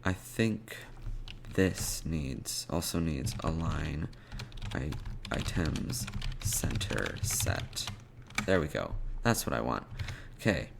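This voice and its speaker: A man with a low, gravelly voice talks through a programming tutorial in halting fragments, thinking aloud as he goes. Keyboard clicks and typing sit behind him, along with some background noise. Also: sing-song. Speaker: web development tutorial host. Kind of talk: informal screencast coding tutorial, explaining steps while typing. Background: computer keyboard typing and clicks.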